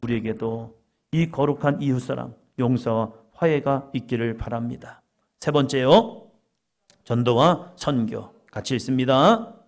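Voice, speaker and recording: Gravelly-voiced Korean pastor preaching. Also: male voice, medium pitch, unhurried. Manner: conversational preaching, acts out quoted inner voices. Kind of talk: sermon.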